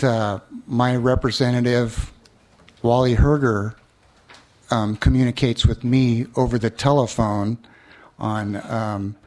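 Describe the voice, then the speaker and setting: A man's voice: medium pitch, a little mellow. A man making a blunt, dismissive point during public comment at a hearing.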